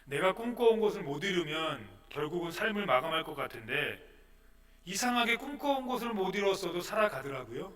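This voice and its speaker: A male pastor preaching a sermon, asking questions and moving between soft and loud. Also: high voice, sing-song, a little fast, recorded from a distance. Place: church sanctuary.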